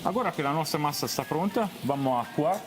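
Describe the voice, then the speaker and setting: A man from Tuscany with an Italian accent, whose first language is Italian, explaining a recipe calmly as a guest chef in halting Portuguese. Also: fairly high pitch. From Tuscany, Italy. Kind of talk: cooking demonstration on TV. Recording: TV studio with background music.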